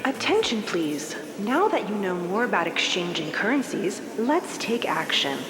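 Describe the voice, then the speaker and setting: A woman voicing a female airport announcer, heard over an intercom loudspeaker, making formal, clipped announcements. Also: medium pitch, sing-song, a little slow, echoey room, in a large hall, over music, poor audio. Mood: announcing.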